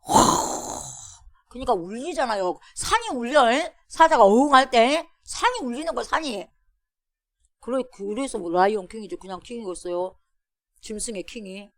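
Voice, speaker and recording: A woman pastor giving an animated expository sermon, calling out to her congregation and acting out a roaring lion. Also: fairly high pitch, normal speed, no room sound, clean studio sound.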